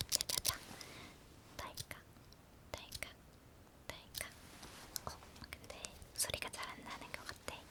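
Whispering, a woman speaks at a very slow pace with long, frequent pauses. Background noise is noticeable. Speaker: ASMR creator. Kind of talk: ASMR makeup roleplay, whispered chatting. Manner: whispered, soft, chatty.

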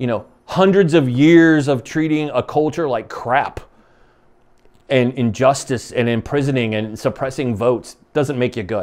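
An animated man talks at a moderate pace in an American accent. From Florida. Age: 40s. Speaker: talk show host. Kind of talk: interview. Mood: frustrated, earnest. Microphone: video call.

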